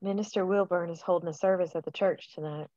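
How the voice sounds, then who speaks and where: Lady reading a caring camp leader, lowish voice, kinda dull lo-fi sound. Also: steady tone, fast talker, close to an everyday voice. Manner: gentle, caring. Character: caring grown woman organizing a camp. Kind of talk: table read.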